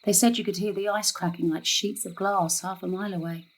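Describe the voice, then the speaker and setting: A woman's voice: medium pitch, fairly even intonation, brisk, lightly acted, poor audio. An actress playing a weary, guarded middle-aged mother with a terse, exasperated manner in an audio drama. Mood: subdued, guarded.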